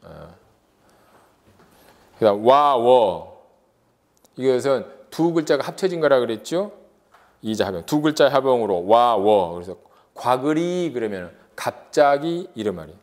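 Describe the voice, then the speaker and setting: A man's voice: medium pitch, very animated, a little slow, pauses often. A man giving an exam-prep lecture, asking rhetorical questions and drawing out vowel sounds as examples.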